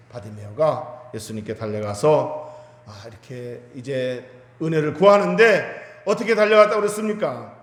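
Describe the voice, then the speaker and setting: A man preaching a Sunday sermon as pastor, retelling a Bible story with emphatic, rising delivery. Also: high voice. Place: church sanctuary. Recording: echoey church hall with long reverb.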